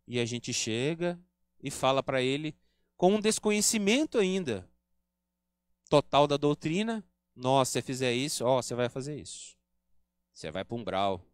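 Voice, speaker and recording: An earnest man with a Brazilian Portuguese accent lectures at a spiritist center. His voice sits fairly high and swings widely in pitch as he teaches. The sound is close and dry, with little room in it. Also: no room sound. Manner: earnest, teaching, acts out quoted remarks. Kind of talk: religious lecture.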